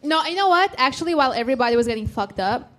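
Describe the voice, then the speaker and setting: A woman's voice: high-pitched, expressive, rapid-fire, a bit bright. A woman trading brash, teasing jokes as a comedian on a live panel.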